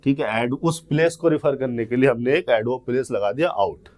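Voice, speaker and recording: A man's voice: medium pitch, darkish tone. A man giving an exam-prep grammar lesson, who explains step by step and asks and answers his own questions. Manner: slows right down to read out example sentences word by word. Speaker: English grammar teacher.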